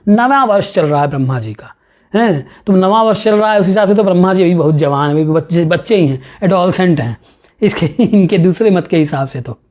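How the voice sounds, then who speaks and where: In a lecture on a classical astronomy text, a male professor reads lines at a slow pace and follows with explanations full of rhetorical questions and laughing asides. He speaks high, with lively intonation and a darkish tone.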